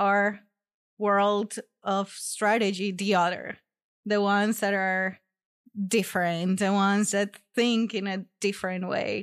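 A woman with a non-native accent speaks at a fairly slow pace in a medium pitch. The recording is very clean, with a silent background. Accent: foreign-accented English. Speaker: podcast co-host. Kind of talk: reflective conversation.

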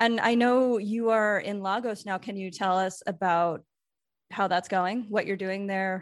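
A woman with a plain, everyday voice at medium pitch, a fairly slow pace and fairly even intonation, against a quiet background. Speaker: interviewer. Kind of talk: interview conversation.

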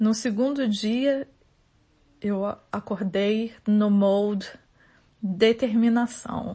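Speaking at a very slow pace with long, frequent pauses, a woman sounds somewhat breathy, and her intonation is fairly even. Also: fairly high pitch for a woman. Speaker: podcaster. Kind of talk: personal monologue.

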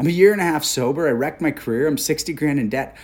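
Fairly quick and animated, a man with a Canadian accent speaks at a fairly high pitch. His voice has vocal fry and very wide pitch swings. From Canada, Ontario. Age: 40s. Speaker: actor and acting teacher. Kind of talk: casual interview.

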